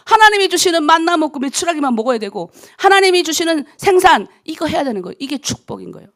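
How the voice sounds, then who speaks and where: A middle-aged woman pastor preaching at a dawn prayer service, acting out her own prayers and her husband's words as she goes. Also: high voice.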